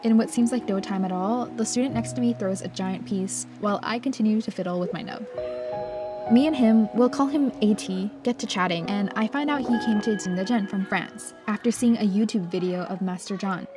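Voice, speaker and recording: A woman calmly narrating a travel vlog about her days as a pottery student in a reflective voice-over. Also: medium pitch, a little fast. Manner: calm, reflective storytelling. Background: background music.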